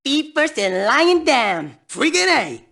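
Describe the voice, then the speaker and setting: High, creaky, cocky gangster. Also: male voice, big pitch swings, slow, pushed and bright, exaggerated voice. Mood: gloating. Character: cocky, sneering small-time gangster. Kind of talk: video game voice acting.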